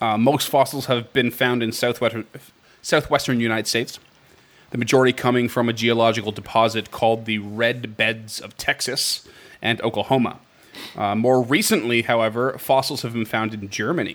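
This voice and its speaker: At a moderate pace, a man with an American accent speaks at a medium pitch in monotone, flat intonation. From US East Coast. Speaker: podcast host. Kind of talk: casual chat.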